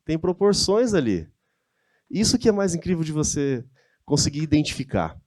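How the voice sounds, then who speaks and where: A man's voice: fairly high pitch, big pitch swings, moderate pace, a little mellow, dry recording, studio quality. A man with a Brazilian Portuguese accent giving a conversational lecture, often asking his audience rhetorical questions. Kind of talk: church-hosted lecture with slides.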